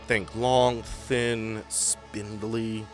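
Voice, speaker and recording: A man with a very low, deep voice guides players through a creepy tabletop adventure, building dread with measured pauses. Soft music plays faintly beneath him. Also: level tone. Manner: descriptive, builds tension with pauses. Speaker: game master. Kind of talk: narrating a tabletop horror game.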